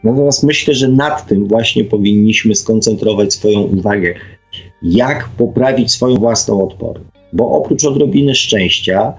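Faint music plays behind a middle-aged Polish radio host whose voice sits on the low side and moves at a moderate pace. Unscripted, he reflects and reads listener comments hesitantly, frequently tacking a questioning tag onto his phrases. The recording is rough.

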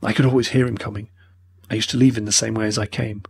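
A man's voice: fairly low pitch, steady tone, quick pace, creaky, breathy edge. A man voicing a distressed old male professor who pleads earnestly to explain himself. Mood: anguished.

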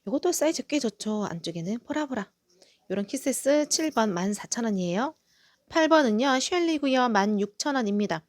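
A woman's voice: on the high side, expressive, normal speed, no room sound. A middle-aged woman hosting a live sale of potted succulents, cheerfully listing each plant and its price. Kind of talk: live sales presentation.

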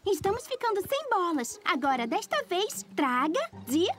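A bubbly young girl in a Brazilian cartoon dub. The voice is extremely high and very animated, emphatically coaxing or scolding, over music. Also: moderate pace, exaggerated voice. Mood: patient scolding. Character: bubbly, exasperated young girl training her puppy.

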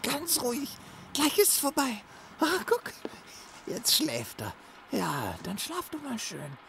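A man's voice: very high-pitched, huge pitch swings, slow, vocal fry, bright, forceful tone, slight background noise, exaggerated voice. An actor playing a creepy, wheedling male killer in a radio play, coaxing and giggling, swinging into panic. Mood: hushing.

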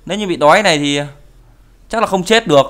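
A young man, chatting over a Minecraft run in a fairly high voice. He is playful and keeps breaking into mock-dramatic wailing. Faint mouse clicks tick behind him. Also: fast, fairly bright tone, slight background noise. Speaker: gaming YouTuber. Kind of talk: Minecraft let's play commentary.

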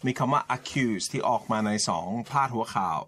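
Slightly hoarse man teaching on radio. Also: mid-range voice, normal speed, a bit bright, slight background noise. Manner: teacherly, explains words patiently, mixes English and Thai. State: slightly hoarse throat, coughing. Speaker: radio English-teaching co-host. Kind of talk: casual bilingual radio chat. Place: radio studio.

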